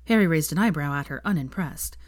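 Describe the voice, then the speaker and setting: A woman with a fairly low voice reads a story aloud, narrating steadily. She gives each character a small shift in pitch as their lines come up. The sound is dry and close, with no room echo. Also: expressive, a little fast. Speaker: fan fiction reader.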